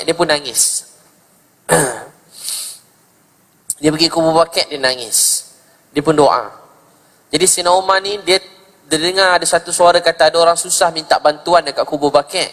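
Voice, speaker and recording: A man's voice: on the high side, a bit bright. A man preaching a sermon in Malaysian Malay, telling stories and repeating phrases for emphasis, with dramatic rises when he quotes. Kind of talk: sermon storytelling. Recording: long hall reverb.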